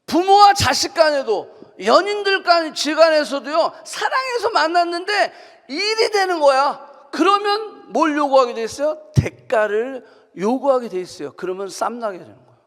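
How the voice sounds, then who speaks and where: A woman pastor preaching a sermon in a high, lively voice. She asks her listeners question after question and raises her voice for emphasis. Her voice carries a long reverb from the church hall. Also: normal speed. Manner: animated preaching with rhetorical questions and emphatic outbursts. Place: church sanctuary.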